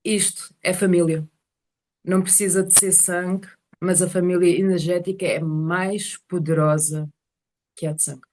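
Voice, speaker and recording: A woman telling casual personal stories to a group on a video call, animated and often searching for words. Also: lowish voice, moderate pace. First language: Portuguese is one of several languages spoken.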